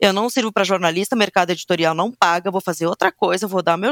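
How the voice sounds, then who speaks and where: A woman talks at a very fast pace in a medium pitch, with ordinary pitch variation. The sound is dry and close, with no echo. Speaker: podcast co-host. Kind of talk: casual chat.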